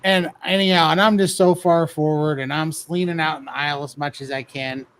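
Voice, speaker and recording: A man's voice: fairly high pitch, fairly even intonation, fairly quick, fairly bright tone, slight background noise, low-quality recording. A man casually telling a funny story about himself, laughing often as he goes. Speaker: guest telling his weight-loss story.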